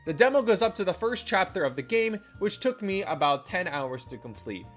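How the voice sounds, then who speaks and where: An animated reviewer narrates a scripted video with lively swings in pitch and a tongue-in-cheek tone. The voice sits at a medium pitch, with music playing faintly underneath. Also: moderate pace. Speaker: video game reviewer, channel host. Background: faint background music.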